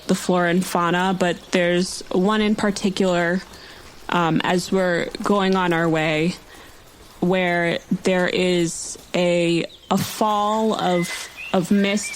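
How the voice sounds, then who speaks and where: A woman with a lowish voice improvises a scene for a tabletop game. She goes very slowly, pausing between phrases. Faint noise is behind her. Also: poor audio. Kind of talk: casual improvised description.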